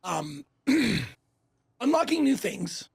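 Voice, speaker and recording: A hoarse man with a raspy, gravelly voice that sits high for a man and swings up and down a lot. He talks about games with a joking, animated push, as if he is handing out tips to friends. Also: slow, dry recording. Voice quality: raspy, strained voice. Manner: animated, advice-giving, jokey and profane. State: hoarse, having a bad voice day. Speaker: podcast co-host. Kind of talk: casual gaming podcast chat.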